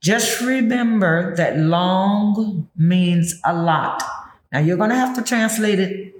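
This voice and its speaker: A woman's voice: medium pitch, takes it slowly, slight background noise. Southern Black woman with Gullah accent, echoey room. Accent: Gullah Geechee, Southern Black American. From Gullah Geechee community of Pinpoint, coastal southern US. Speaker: tour guide. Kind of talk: explanatory interview talk.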